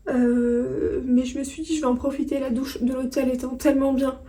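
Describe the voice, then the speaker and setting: A woman from France talks casually to camera from a hotel room, her voice pitched high but mellow rather than bright. She rambles along with fillers and restarts, chatting loosely as a vlogger. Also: little pitch movement, moderate pace. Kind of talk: casual vlog chat to camera. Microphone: phone camera.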